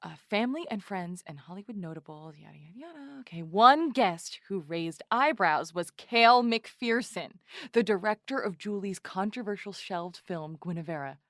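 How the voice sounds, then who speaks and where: A woman's voice: mid-range voice, expressive, normal speed, dry recording, studio quality, close to an everyday voice. A woman playing a blunt teasing podcast co-host. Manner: teasing, matter-of-fact. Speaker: true-crime podcast co-host. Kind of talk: audio drama acting.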